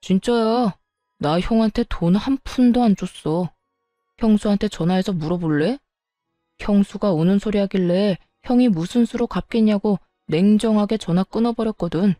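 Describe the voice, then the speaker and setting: A woman's voice: mid-range voice, moderate pace, dark tone, dry recording, clean studio sound, faint music behind, lightly acted. A woman voicing a callous, stingy young husband who lectures his wife coldly, in a story narration. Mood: lecturing. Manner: cold, lecturing.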